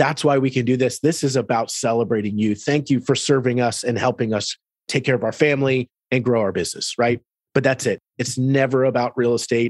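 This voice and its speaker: A man talks at a fairly quick pace with an American accent, in a plain, everyday voice. The sound is dry and close with no echo, and his pitch variation is ordinary. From Virginia, US. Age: 30s. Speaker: real estate team leader. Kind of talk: casual interview chat.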